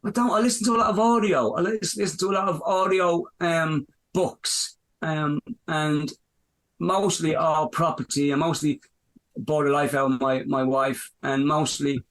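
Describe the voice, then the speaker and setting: A man's voice: fairly high pitch, fairly even intonation, moderate pace, fairly bright tone, rough recording. Rambling Irish man in his fifties. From Ireland. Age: 50s. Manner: rambling, full of fillers and restarts. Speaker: business owner guest. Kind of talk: podcast interview.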